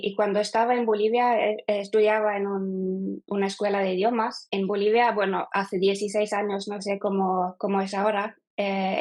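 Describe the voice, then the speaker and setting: A Norwegian woman in her thirties, a non-native speaker, answering as an interview guest, often pausing and restarting as she talks. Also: mid-range voice, a little mellow. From Norway. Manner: hesitant, with frequent fillers and restarts. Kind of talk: casual interview.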